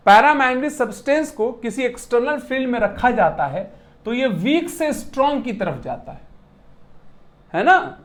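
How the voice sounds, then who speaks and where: A physics teacher with a medium-pitched voice lectures in Hindi, mixing in English technical terms. He's lively and repetitive, driving points home with rhetorical questions, playful classroom analogies, and quick check-ins that tease the class.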